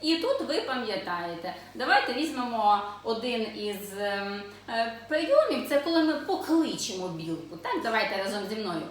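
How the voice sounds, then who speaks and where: A woman's voice: a little high, sing-song. Sing-song woman teaching preschool reading. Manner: slow, sing-song syllable reading with frequent questions to children. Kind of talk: children's literacy lesson. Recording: echoey room, voice from a distance.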